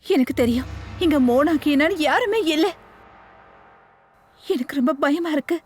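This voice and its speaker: A woman's voice: high voice, expressive, normal speed, soft background music. A woman voicing a cunning murder suspect in a dubbed TV crime drama, who fakes fear and then turns threatening. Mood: fearful.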